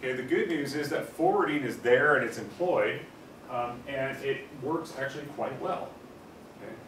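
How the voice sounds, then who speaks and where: A man at a moderate pace with big swings in loudness and long, frequent pauses, audible room echo and light background noise. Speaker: lecturer. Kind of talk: lecture. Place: classroom. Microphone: camera far.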